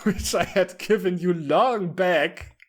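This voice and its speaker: Man as a slightly high squad organiser. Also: slow pace. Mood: instructing. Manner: instructional, listing orders. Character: male squad organiser handing out weapons, brisk and commanding.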